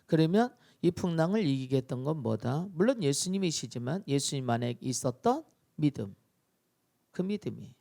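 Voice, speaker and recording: A male pastor preaching a dawn-prayer sermon, telling the story in an animated way and acting out scenes. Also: fairly high pitch, normal speed, gravelly.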